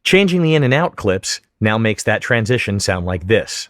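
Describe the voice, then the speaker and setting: A man giving scripted, methodical step-by-step instruction as a software tutorial narrator. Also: fairly low pitch, sing-song, normal speed, soft background music. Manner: clear, methodical, step-by-step explanation. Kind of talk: scripted instructional narration over screen demo.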